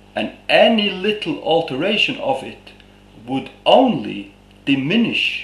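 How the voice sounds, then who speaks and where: With a Faroese accent, a man speaks at a very slow pace amid audible room echo. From Faroe Islands. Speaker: Bible translator and preacher. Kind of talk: religious teaching talk. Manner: emphatic.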